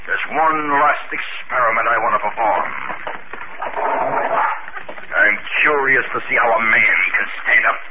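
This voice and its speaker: A man's voice: mid-range voice, measured pace, pauses often, natural voice. An actor playing a bitter, vengeful giant man in a 1950s radio drama, cold and menacing. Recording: tinny, hissy old radio recording.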